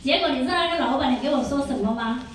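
A high-pitched woman gives a chatty sales seminar, laughing and firing questions at her audience. Her voice rings around a very echoey room. She sits far from the microphone, over a faint hum of ambience. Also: rapid-fire. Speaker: skincare sales consultant giving a seminar. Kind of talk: lively storytelling lecture.

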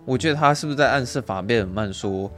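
A man's voice: medium pitch, quick pace, a bit bright, faint music behind. A man, co-hosting a casual film chat, laughing often, swearing now and then and acting out quotes. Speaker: podcast co-host.

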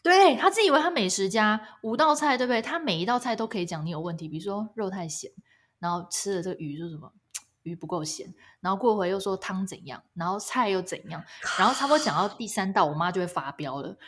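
A woman co-hosting a casual chat podcast, telling stories in an exasperated, animated way. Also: mid-range voice, quick pace. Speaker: podcast co-host.

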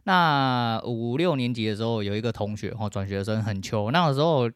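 A man's voice: medium pitch, lively intonation, normal speed, smooth, no room sound, studio quality. A middle-aged man with a Taiwanese Mandarin accent, hosting a podcast in a blunt, profane, emphatic casual rant. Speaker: podcast host.

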